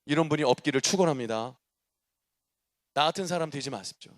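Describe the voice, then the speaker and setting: A man preaching a testimony sermon as a guest preacher. His delivery is animated, with loud declarations and soft asides. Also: on the high side, fast talker. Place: church sanctuary.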